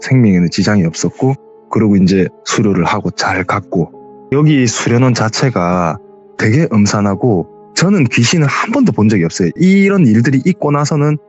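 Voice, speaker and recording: A man's voice: lowish voice, expressive, moderate pace, a little mellow, highs cut off, soft background music. A young man with a heavy regional dialect tells a true ghost story as a guest, acting out the quoted voices.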